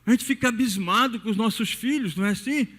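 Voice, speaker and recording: A man preaching a sermon in a cathedral at an evening service, asking rhetorical questions and swinging his pitch widely. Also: quick pace, fairly bright tone. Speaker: pastor. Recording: long reverb of a large church hall.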